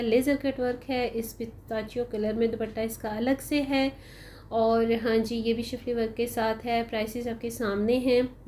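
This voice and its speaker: A woman talks viewers through clothes on sale in a casual vlog voice-over, unhurried and sprinkled with fillers. Her voice sits a little high but sounds mellow and warm. Faint noise hums under the recording. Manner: chatty, unhurried, frequent "uh" fillers, addresses viewers as "janab" and "bhai". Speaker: shopping vlogger.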